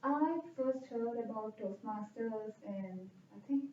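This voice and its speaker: A woman in her thirties from India with an Indian accent, earnestly answering interview questions at a careful, steady pace. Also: fairly high pitch, takes it slowly, a little hiss or hum. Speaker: club member interviewee. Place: club meeting room. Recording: roomy, distant, dull sound.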